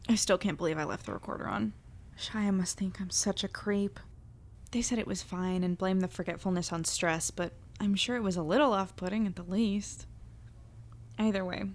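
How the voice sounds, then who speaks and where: A woman's voice: on the low side, steady tone, normal speed, lightly acted. A woman playing an earnest, slightly awkward young newspaper reporter in a conversational audio drama. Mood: awkward, self-reproaching. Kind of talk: naturalistic audio drama dialogue and narration.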